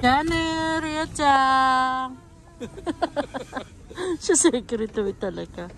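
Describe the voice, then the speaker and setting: A woman's voice: lively intonation, drawn-out words, fairly bright tone, soft background music. A Filipino woman chatting casually as a family vlogger and mother, mixing in Japanese and English words. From Philippines. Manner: talks to her children in between narrating, mixing in Japanese and English words. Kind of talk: casual vlog chat. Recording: noisy home-video sound with ambient rumble.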